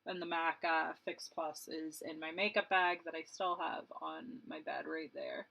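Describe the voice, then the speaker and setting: Young woman, beauty vlogger, rambling makeup chat, bright tone, slightly low voice. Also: fairly even intonation, a little slow, creaky, low-quality recording. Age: 20s. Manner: rambling, chatty, laughs often. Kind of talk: casual chat while doing makeup.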